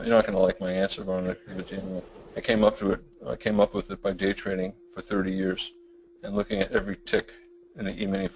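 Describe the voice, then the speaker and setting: Middle-aged guy with a deep flat monotone, rambling through a trading webinar, lots of you know's. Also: gravelly, slight background noise, poor audio. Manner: rambling, with many fillers and restarts. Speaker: trading educator presenting a webinar. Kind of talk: webinar lecture.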